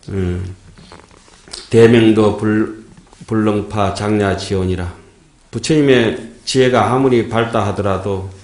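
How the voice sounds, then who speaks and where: A man's voice: fairly low pitch, roomy sound. A man giving a Buddhist dharma talk in a sermon style, folksy and joking, often checking in with his listeners. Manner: folksy, joking, asks the audience "예?". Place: temple dharma hall.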